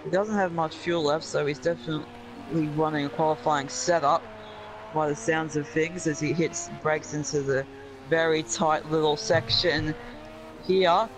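A man co-commentating a sim racing stream, steady and analytical about setups and lap times. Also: fairly high pitch, moderate pace, noisy background.

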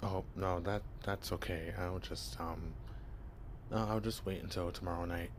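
A man's voice: deep voice, steady tone, normal speed, noisy background, lightly acted. A young man voicing a shy, clueless male vampire in an ASMR roleplay, stammering nervously as he pretends to be human. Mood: flustered, awkward. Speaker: voice actor.

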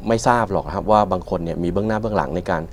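A man explaining things as a panel guest, hesitant, with very frequent filled pauses. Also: low voice. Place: television studio. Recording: clear background noise.

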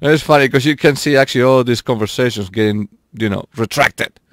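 A man with a mid-range voice talks briskly while live streaming a racing game, chatting casually with viewers and laughing often. The recording is dry with clean studio sound.

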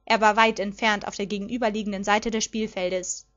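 A woman reading a fan fiction story aloud in a lively first-person voice. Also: medium pitch, fairly quick, highs cut off. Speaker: audiobook reader.

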